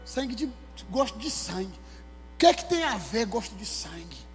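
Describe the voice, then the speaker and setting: A male pastor with a Maranhão accent preaches in a strikingly high voice, telling his stories with lively exclamations. His voice rings through a church hall with a long reverb. Soft music plays faintly underneath. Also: normal speed. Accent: Maranhão, Brazil. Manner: animated storyteller, exclamatory. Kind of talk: sermon with personal storytelling. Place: church sanctuary.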